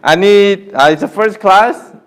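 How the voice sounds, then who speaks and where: Young Korean man, smooth clear voice, energetic teacher pushing a beginner class to speak up. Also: high-pitched, unhurried. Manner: energetic, coaxing the class to repeat louder; informal, repeats himself and restarts often. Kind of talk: live online beginner class.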